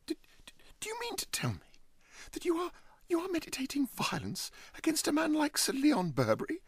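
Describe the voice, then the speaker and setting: A man voicing a flustered, stammering gentleman who grows more and more panicked. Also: huge pitch swings, fairly quick, no echo, exaggerated voice. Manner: stammering, high and agitated. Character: flustered, stammering middle-aged gentleman host.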